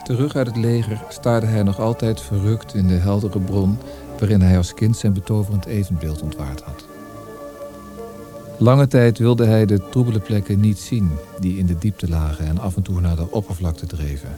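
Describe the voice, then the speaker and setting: A man's voice: lowish voice, moderate pace, close to an everyday voice. A man reading literary scripted narration in a radio play. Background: music.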